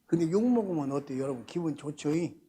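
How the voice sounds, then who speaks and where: An older pastor preaches in a husky voice whose pitch leaps up and down with feeling. He moves between loud, emphatic exclamations and quiet asides. He keeps pressing the congregation with rhetorical questions. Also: expressive, fairly quick. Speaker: senior pastor. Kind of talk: sermon. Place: church during a Friday service.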